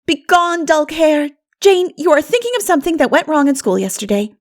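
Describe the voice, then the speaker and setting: A woman's voice: sits high, very animated, brisk, voice pushed up. A woman reading an audiobook as an exuberant, dreamy young woman who talks in an earnest, gushing, flowery way. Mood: blissful, gushing. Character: Anne, exuberant, dreamy, poetical schoolgirl-spirited young woman. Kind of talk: audiobook character voice.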